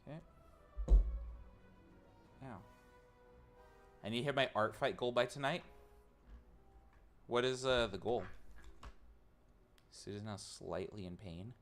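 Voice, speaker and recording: A man building a robot on stream talks to chat slowly, pausing often, in a mid-range, fairly bright voice. He's casual and rambling, teasing himself as he tinkers, with faint music in the background.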